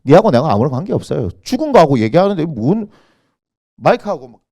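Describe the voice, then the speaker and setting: Animated pastor preaching. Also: male voice, fairly high pitch, fast talker. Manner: animated, quizzing the congregation with rhetorical questions. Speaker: senior pastor. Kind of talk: sermon. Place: church sanctuary.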